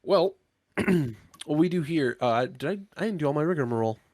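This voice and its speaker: A man's voice: on the high side, animated, moderate pace, a little mellow, no echo, studio quality. A man co-hosting a casual gaming podcast, congested from a cold, loose and casual as he runs through the show plugs. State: congested, getting over a cold. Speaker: podcast co-host opening the show. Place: podcast recording, indoors.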